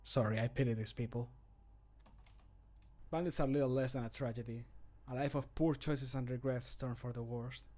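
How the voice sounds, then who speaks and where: A man voicing a somber, pitying adventurer for a fantasy game, with dramatic, drawn-out gaps in a scripted delivery. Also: mid-range voice, steady tone, darkish tone, lightly acted. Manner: slow, dramatic, gapped delivery. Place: small home room.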